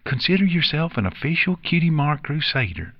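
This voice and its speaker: Man voicing Apple Bloom, a high, determined little filly. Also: lively intonation, normal speed, no echo, lo-fi sound. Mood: happy.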